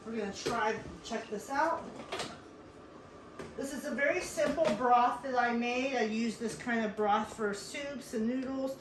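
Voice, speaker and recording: Woman, cooking show host, chatty and rambling, echoey kitchen. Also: a little high. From born in South Korea, raised in Western Pennsylvania. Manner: chatty, rambling, addresses viewers as folks. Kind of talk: casual cooking demonstration. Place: home kitchen. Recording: echoey room, faint noise.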